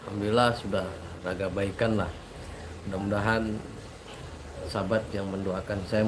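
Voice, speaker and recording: A man with a Cirebon accent and a blocked, nasal voice, hoarse from a cold, talking in a rambling, repetitive, joking way to his subscribers. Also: lowish voice, slight background noise, poor audio. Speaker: religious teacher and channel host. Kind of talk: casual talk to subscribers with sung prayers.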